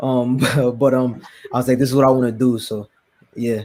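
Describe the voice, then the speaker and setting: A man with a New York accent talks very fast. His medium-pitched voice stays monotone and flat. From Brooklyn, New York. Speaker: music producer. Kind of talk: casual interview.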